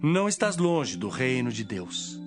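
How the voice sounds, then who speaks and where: A Brazilian man playing an authoritative teacher, measured and declamatory, in a dramatized audio Bible. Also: medium pitch, big pitch swings, over music. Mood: authoritative teaching.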